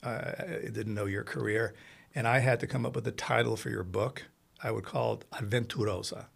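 A man's voice: lowish voice, steady tone, normal speed, creaky, slightly rough. A man from Italy hosting a casual interview, talking in an enthusiastic, rambling and effusive way. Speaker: podcast host.

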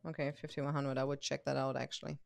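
A woman's voice: extremely low pitch, level tone, quick pace, creaky, no echo. A woman from Germany with a German accent, speaking English as a second language and hosting a casual, conversational interview. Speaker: interview host, photographer.

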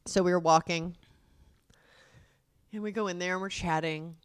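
A woman in her thirties co-hosting a podcast, telling stories casually with wry, deadpan quips. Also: lowish voice, moderate pace, clear, resonant tone. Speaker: podcast co-host. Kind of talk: casual chat.

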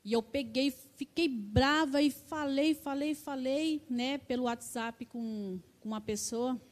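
A woman's voice: high-pitched, unhurried. A middle-aged woman with a Brazilian accent, preaching a sermon with fervent personal testimony, often tagging her sentences with "né". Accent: Brazilian Portuguese.

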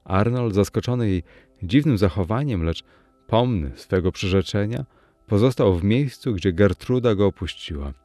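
Man, audiobook narrator, very low deep voice, calm storytelling, dry close sound. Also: moderate pace, no echo.

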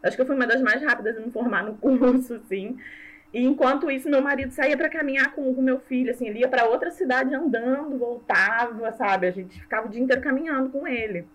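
A woman from Brazil with a Brazilian Portuguese accent, a language teacher chatting as an interview guest, self-mocking and quick to laugh. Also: high-pitched, poor audio. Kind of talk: casual conversational interview.

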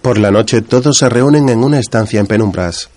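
Low-voiced male scene narrator. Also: fairly quick, darkish tone. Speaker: audio description narrator.

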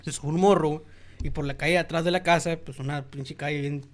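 A man's voice: on the high side, fairly even intonation, quick pace. A man with a Mexican accent, hosting a podcast and telling a story in a casual, slangy way, acting out the people he quotes. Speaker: podcast host.

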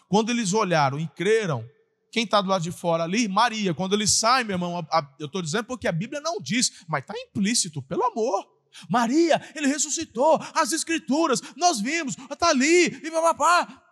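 A Brazilian man preaching a sermon as pastor, animated, acting out voices and breaking into sudden shouts. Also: high voice, brisk, in a large hall. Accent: Brazilian Portuguese.

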